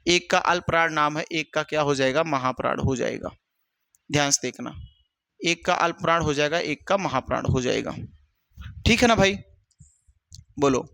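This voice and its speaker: Gravelly and fairly high-pitched, this man speaks at normal speed with long pauses and a fairly bright tone, with no room sound. Teaching exam-prep grammar, he repeats himself heavily, asks questions he then answers, and addresses students as brother.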